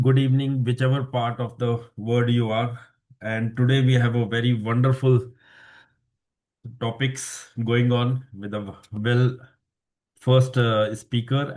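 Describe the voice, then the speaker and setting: A man hosting a speaking club's impromptu session over a video call, halting and rephrasing as he searches for words. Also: mid-range voice, a little mellow. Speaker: table topics master.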